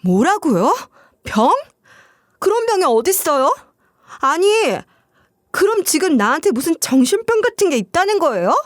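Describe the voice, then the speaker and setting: A woman's voice: high voice, sing-song, normal speed, no room sound, clean studio sound. A woman voicing a young wife who is easily hurt and answers defensively and plaintively.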